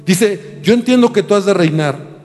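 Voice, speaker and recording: A man's voice: high voice, expressive, normal speed, darkish tone, in a large hall, faint music behind. A man preaching a sermon, reading scripture aloud and explaining it with frequent rhetorical questions.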